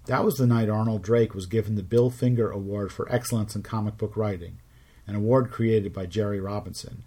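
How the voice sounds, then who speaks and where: Middle-aged male podcast host, lowish voice, measured scripted storytelling, wry. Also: warm tone, breathy edge. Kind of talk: scripted narration.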